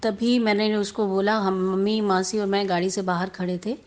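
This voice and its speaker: A woman's voice: mid-range voice, flat delivery, normal speed, darkish tone. A woman sharing a devotional testimony in a casual, chatty storytelling way, slipping English words into her Hindi and often restarting her sentences.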